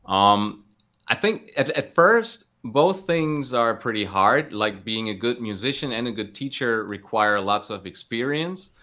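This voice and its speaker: A man's voice: medium pitch, lively intonation, unhurried, sharp tone. A man giving casual interview answers as a guest, thinking his way through with hesitant phrasing. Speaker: interview guest, guitar teacher.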